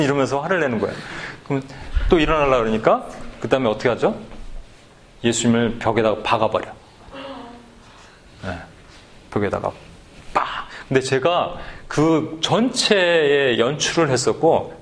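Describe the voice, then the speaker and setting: A man preaching a sermon as pastor, telling a story with lively acted-out bits, in a church. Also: mid-range voice. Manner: animated storytelling, acts out voices, then leads sung worship. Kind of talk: sermon with acted skit retelling. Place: church sanctuary.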